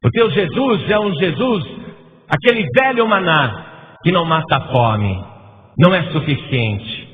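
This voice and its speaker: A man with a Brazilian Portuguese accent preaching a sermon as pastor, building to loud, emphatic repeated lists. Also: on the high side, expressive, a little slow. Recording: tinny phone-like sound with long reverb and faint noise.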